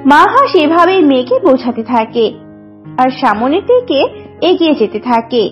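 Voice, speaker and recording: A woman's voice: high voice, very animated, normal speed, highs cut off, soft background music. A woman narrating a scripted children's animal story.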